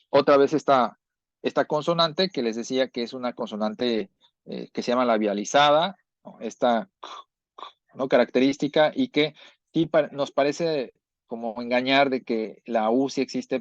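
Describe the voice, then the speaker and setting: A man's voice: medium pitch, no echo. A man giving an online language class, explaining patiently and often checking understanding with short tag questions. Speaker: language teacher. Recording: dull, lo-fi audio.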